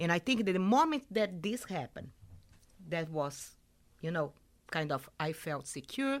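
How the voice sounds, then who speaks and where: A woman with a strong Brazilian accent, very wide pitch swings, a moderate pace and long, frequent pauses, on a very clean recording with a silent background. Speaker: small business owner. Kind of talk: interview conversation.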